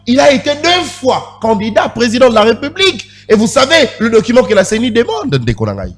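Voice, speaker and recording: Animated man arguing in a studio debate. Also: very high voice, fairly quick, faint music behind. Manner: insistent, repeats pleas for the floor, mixes French and Lingala. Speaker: panelist.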